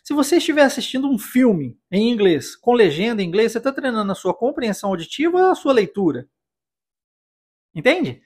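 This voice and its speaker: A husky-voiced man from Brazil teaches English on his podcast. He speaks fairly high and explains each point patiently, often pausing to check in with the listener. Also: sing-song. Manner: encouraging, explanatory, frequent tag questions. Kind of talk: podcast lesson addressing listener.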